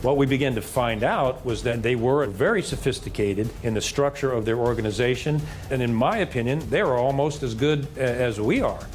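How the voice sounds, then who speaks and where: A man's voice: mid-range voice, expressive, brisk, hardly any pauses, faint music behind. A man in an interview speaking emphatically and giving his opinion on intelligence matters.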